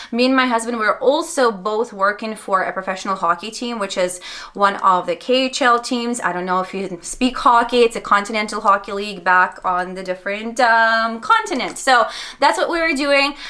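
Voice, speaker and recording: With a slight Russian accent, a woman speaks in an animated tone at a fairly high pitch. Her pace is moderate and her pitch variation ordinary. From Belarus. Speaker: network marketing seller. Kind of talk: personal story vlog.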